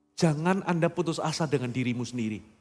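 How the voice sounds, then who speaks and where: Over music in the background, the speaker talks at a fairly quick pace in an animated, angry tone with lively intonation. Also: man. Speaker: pastor. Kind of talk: sermon. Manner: rising, sharp intonation that sounds angry.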